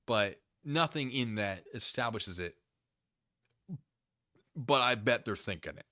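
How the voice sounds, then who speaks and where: A man hosting a live stream, reading documents aloud and commenting casually with conversational, animated asides. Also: medium pitch, slow. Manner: conversational, animated asides, acts out imagined dialogue.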